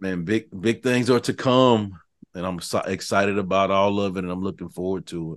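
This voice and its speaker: A man's normal speaking voice, fairly low in pitch, with an American accent, a fairly quick pace, fairly even intonation, and a quiet background. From Texas, small town. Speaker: author and speaker. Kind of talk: casual interview chat.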